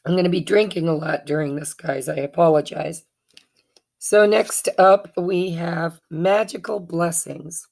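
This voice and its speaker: A woman with a rough, hoarse voice talks her way through a tarot reading. She speaks slowly in a lowish, gravelly tone. Her delivery is chatty and meandering, full of fillers and self-corrections. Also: a little mellow. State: hoarse from allergies. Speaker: tarot reader. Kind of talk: casual tarot card reading.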